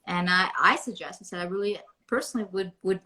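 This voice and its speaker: An American woman talking as an interview guest, her voice bright and forceful. She chats in a rambling way, starting sentences over and over. It is relaxed, conversational talk. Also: lowish voice, brisk. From United States. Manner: chatty, rambling, many restarts. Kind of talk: casual interview chat.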